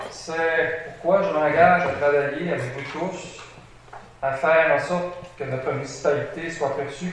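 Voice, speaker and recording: A man in his sixties with a Quebec French accent, giving a prepared, formal self-introduction as a council candidate, with hesitant filler pauses. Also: a little high. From Saguenay, Quebec. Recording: echoey room, distant mic, noisy.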